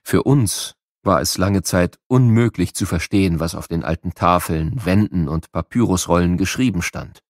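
A man reading scripted educational narration for children, explaining things like a storyteller with clear enunciation. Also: low voice, moderate pace, hardly any pauses, no echo, clean studio sound.

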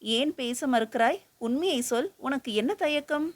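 A woman voicing an elderly male sage who questions gently but turns firm when he commands. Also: high voice, a little slow. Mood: probing.

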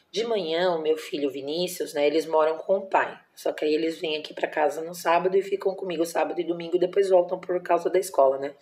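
Brazilian woman, 40s, home vlogger; low, dark tone, tender and emotional storytelling. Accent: Brazilian Portuguese. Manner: emotional, tender, uses many diminutives and fillers like "né". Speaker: vlogger, mother. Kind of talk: casual personal vlog storytelling.

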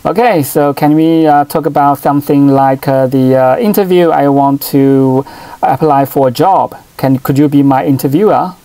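A middle-aged man, a native Chinese speaker, giving a hands-on phone tutorial at a desk, talking haltingly with lots of fillers and restarts. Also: a little high, steady tone, mellow, no room sound. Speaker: tech channel host. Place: desk at home, in front of a computer.

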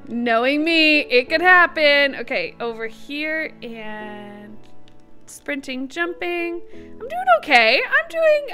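Female gaming host, giggly let's-play commentary, very animated delivery, light background music. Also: high-pitched. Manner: excitable and giggly, narrating her own moves.

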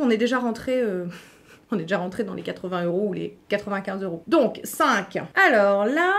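A middle-aged woman chatting casually as a beauty vlogger unboxing products, talking to her viewers with frequent fillers and restarts. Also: on the high side. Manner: playful asides to viewers.

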